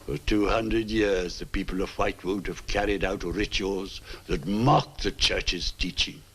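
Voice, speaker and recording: Weary old clergyman, low and husky, measured, grave, god-fearing; vintage horror film. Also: a bit bright, heavily acted. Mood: grave, foreboding. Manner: grave, solemn, formal. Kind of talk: 1960s horror film acting.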